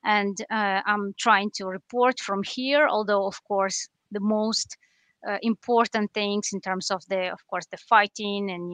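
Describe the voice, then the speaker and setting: A woman from Western Ukraine, Ukrainian native speaker, answering interview questions in a thoughtful, steady way from a basement over a video call. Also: medium pitch, no echo. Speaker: journalist guest.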